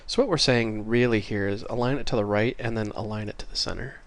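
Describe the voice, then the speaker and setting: A quick-paced man with a fairly low pitch and fairly even intonation walks viewers through code in a screen-recorded tutorial. He sounds stuffy from a recent cold and keeps things casual, apologizing and fixing his own slips.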